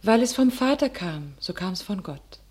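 An actress playing a devout, resigned young warrior maiden, speaking solemnly in classic German radio drama style. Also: female voice, medium pitch, animated, measured pace, a little mellow, breathy edge. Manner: solemn, submissive, declamatory.

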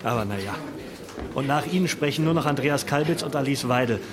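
Actor doing a gruff bossy party comrade, radio play, mid pitch, busy crowd behind him. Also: male voice, animated, brisk, close to an everyday voice. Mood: brisk, bossy. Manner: brusque, commanding. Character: gruff, bossy far-right party comrade, adult man. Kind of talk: radio drama dialogue.

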